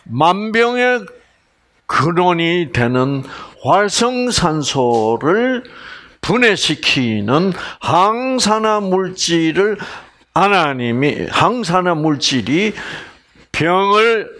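A man's voice: sits high, sing-song, slow, a bit bright. A middle-aged man giving a health lecture, asking his audience questions and joking with regional sayings.

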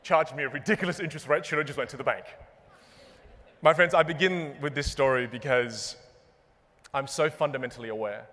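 A young man giving a comedic keynote on a large conference stage, animated and self-mocking, landing punchline after punchline. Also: medium pitch, fairly quick. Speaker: keynote speaker and magician. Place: large conference stage before a live audience. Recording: long reverb of a big hall.

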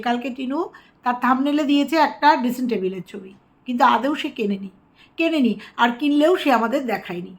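A woman vlogger talking casually to her viewers, repeating her points as she gives advice. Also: high voice.

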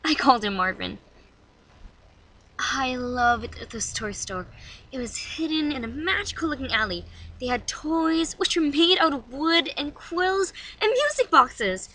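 A woman playing a sweet young girl reminiscing fondly in gentle, wistful storytelling for an audition. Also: sits high, animated, unhurried, distant mic, slight background noise, heavily acted, low-quality recording.

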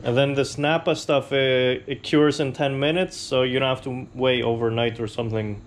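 Man giving a relaxed garage repair how-to. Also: medium pitch, normal speed, a little hiss or hum. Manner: relaxed, plainspoken, explains step by step. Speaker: motorcycle channel host. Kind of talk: casual how-to tutorial.

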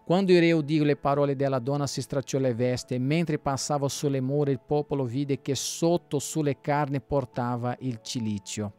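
A man, a pastor, reading the Bible aloud in a plain steady way, now and then stumbling and restarting a word. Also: mid-range voice, normal speed, few pauses, soft background music.

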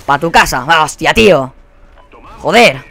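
A young man with a Spanish accent commentating his own shooter gameplay, swearing a lot and quick to burst into angry shouts. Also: on the high side, animated. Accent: Spanish from Spain. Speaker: gaming commentator. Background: faint gunfire from the game.

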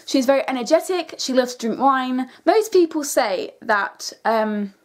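A woman's voice: high-pitched, animated, unhurried. A young British woman vlogging casually to camera, speaking in an informal, slangy, self-deprecating way. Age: young adult. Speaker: video blogger.

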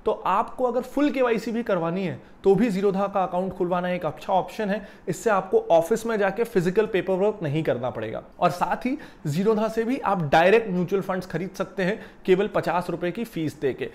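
A young man giving a lively explanatory video lesson about investing, seated in a small office and using a lapel mic. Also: high-pitched, a little fast, hardly any pauses. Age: young adult. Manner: animated, gestures while explaining. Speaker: finance educator.

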